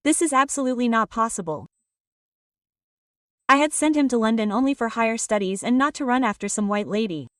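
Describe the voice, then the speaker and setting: A woman's voice: fairly high pitch, expressive, brisk, a bit bright, dry recording. A woman voicing a bitter, scheming middle-aged aunt who speaks with cold sarcasm. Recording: slightly distant, dry recording.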